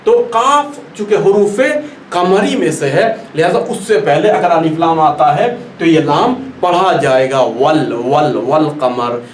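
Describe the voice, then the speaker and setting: A man teaching a Quran recitation class, patiently repeating and stretching out each example word. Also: a little high. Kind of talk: classroom lesson. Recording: echoey room, distant mic, faint noise.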